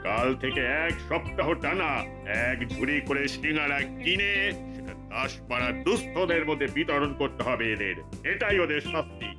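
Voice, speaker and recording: A man's voice: fairly high pitch, animated, normal speed, lightly acted. A man playing a stern, authoritative senior police officer in a cartoon. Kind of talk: cartoon acting. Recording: music behind the voice.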